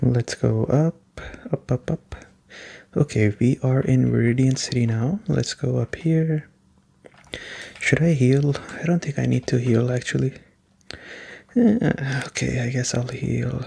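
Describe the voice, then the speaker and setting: Soft-spoken, fairly slow speech with long, frequent pauses. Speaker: ASMR gaming streamer. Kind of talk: gameplay commentary.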